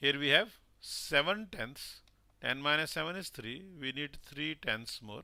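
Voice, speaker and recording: Bright and sharp in tone, a man's voice sits fairly high and moves at a fairly slow pace. His intonation is lively, and his loudness swings widely. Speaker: math teacher. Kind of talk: live online math lesson. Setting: livestream. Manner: slow, explanatory.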